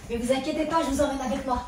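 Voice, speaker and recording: A woman vlogging casually to camera, chatty and enthusiastic, gushing over what she shows. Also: high-pitched. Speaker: lifestyle vlogger. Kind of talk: casual vlog chat to camera. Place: outdoors at a countryside ranch. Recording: roomy echo, faint ambient noise.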